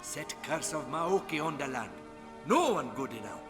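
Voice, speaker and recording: A man's voice: a little high, big pitch swings, moderate pace. A man playing a menacing tribal island chief who speaks ominous broken English in a video game. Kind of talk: video game cutscene acting. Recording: music under the voice.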